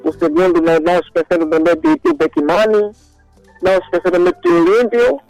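A man's voice: high voice, sing-song, a little fast, creaky, darkish tone, no room sound, faint music behind, low-quality recording. A man. He rambles through a list of greetings and says "mesmo" over and over. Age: 20s. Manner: repeats "mesmo" constantly, rambling. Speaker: radio caller.

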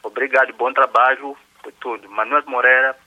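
A man's voice: mid-range voice, little pitch movement, normal speed. A man, a sports commentator rambling through greetings to clubs and colleagues. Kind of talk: radio sports debate. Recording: dull lo-fi line.

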